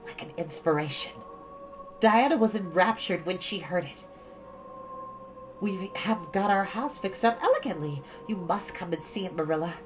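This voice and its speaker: A woman's voice: lowish voice, lively intonation, moderate pace, music in the background, close to an everyday voice. A woman voicing a dreamy, romantic, chattering young girl in a storybook, gushing with dramatic earnestness. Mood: dreamy, excited. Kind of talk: storybook read-aloud. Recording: dull, lo-fi, faint background noise.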